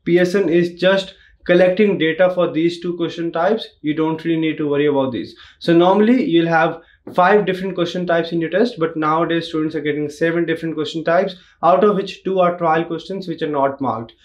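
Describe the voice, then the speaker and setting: A man in his thirties with an Indian accent, tutoring test takers in a steady, reassuring way that repeats the key points, recorded in a small home studio. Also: on the high side, fairly quick, dull audio. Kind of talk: instructional talk to camera.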